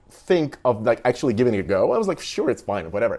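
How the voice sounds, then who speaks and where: With a Russian accent, a man speaks in an animated tone. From Russia (Soviet Union). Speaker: jazz pianist, dancer and media personality. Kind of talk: interview. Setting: remote call.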